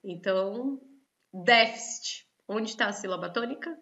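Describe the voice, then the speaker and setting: This teacher's voice is mid-range and unhurried, captured with lo-fi sound. Speaking with a Brazilian Portuguese accent, she walks an online class through a lesson in a lively way, frequently questioning her students.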